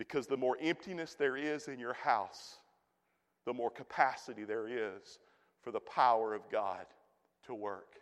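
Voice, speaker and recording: With long, frequent pauses, a man of medium pitch talks at a moderate pace and shows ordinary pitch variation. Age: 40s. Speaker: pastor. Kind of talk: sermon. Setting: church.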